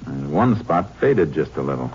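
An American actor playing a tough, terse Texas Ranger in a 1950s western radio drama. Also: male voice, extremely low pitch, sing-song, moderate pace, dull audio. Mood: cool menace. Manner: terse, dry, commanding. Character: tough, cool Texas Ranger lawman hero. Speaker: lead actor and narrator. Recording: noisy, band-limited old radio recording.

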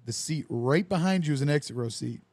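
A man's voice: on the high side, fairly quick, breathy edge, no echo. A young man, a podcast host telling a story in casual chat and acting out the people in it. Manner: animated storyteller who acts out quoted dialogue with lively voices.

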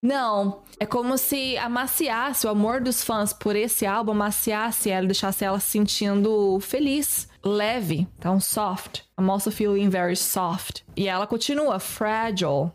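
A woman, an English teacher who explains step by step in a casual lesson and reads English words out slowly and carefully. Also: medium pitch, fairly even intonation, soft background music. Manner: explains step by step, often asks "né?".

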